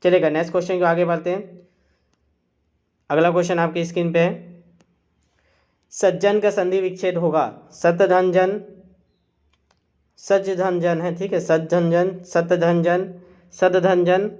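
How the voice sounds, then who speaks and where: A man's voice: high voice, little pitch movement, unhurried, pauses often, a little mellow, lo-fi sound. A man teaching a live online exam-prep quiz class, reading out questions and options and coaxing students with "theek hai". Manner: coaxing, repeats "chaliega" and "theek hai", reads options aloud.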